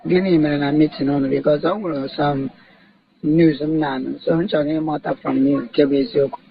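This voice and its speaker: A man's voice: fairly high pitch, steady tone, fairly quick, creaky, husky, muffled recording. A man asking direct questions in a recorded phone voice message. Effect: played-back voice message.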